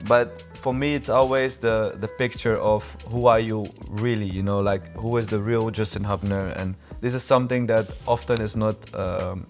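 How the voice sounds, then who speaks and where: A man's voice: lowish voice, steady tone, normal speed, few pauses, soft background music. A man hosting a casual podcast interview, asking friendly questions with some restarts. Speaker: podcast host.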